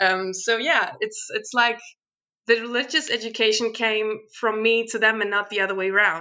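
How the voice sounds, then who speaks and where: This woman has a fairly high pitch and a bright, sharp tone, talking at a moderate pace with fairly even intonation. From eastern Ukraine, raised in Germany. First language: Russian. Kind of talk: interview.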